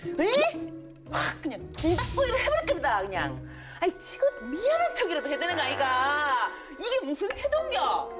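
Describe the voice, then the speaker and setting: A woman playing a loud, fiery middle-aged wife who scolds her husband in a Gyeongsang dialect, in a comic sketch. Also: wildly swooping pitch, normal speed, exaggerated voice. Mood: indignant. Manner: shrill, exaggerated comic scolding. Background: music.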